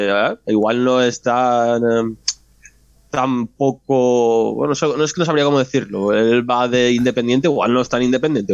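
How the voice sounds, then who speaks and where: A man's voice: medium pitch, darkish tone, no room sound. A male panelist on a talk show, blunt and mocking, swearing freely as he gives his opinion in casual chat. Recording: dry, dull lo-fi sound.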